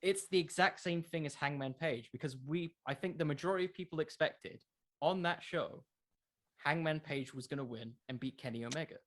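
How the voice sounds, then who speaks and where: Male podcast guest, conversational and earnest, explains things at length in a relaxed interview setting. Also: a little high, normal speed. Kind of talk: casual interview chat.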